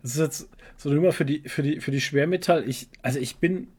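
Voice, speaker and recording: Young man, husky higher-pitched voice. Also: fast talker, darkish tone. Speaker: podcast co-host. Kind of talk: casual chat.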